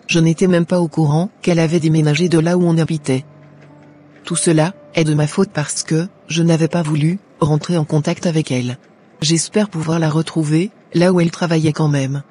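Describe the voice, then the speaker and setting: A woman's voice: sits low, fairly even intonation, fairly quick, mellow, husky. A woman voicing a headstrong, regretful young orphaned daughter in an amateur Christian cartoon, lamenting dramatically over music. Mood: tense.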